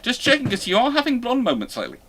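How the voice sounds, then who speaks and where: A man's voice: extremely high pitch, wildly swooping pitch, rapid-fire, a bit bright, a little hiss or hum. A man hosting a live question-and-answer stream, talking in a chatty, rambling way. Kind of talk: casual live Q&A chat.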